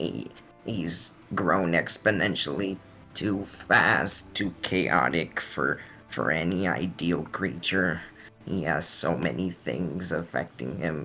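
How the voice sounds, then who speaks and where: A put-on character voice from a man, raspy and very deep, very slow, with clear music in the background. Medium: actual play. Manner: formal, measured.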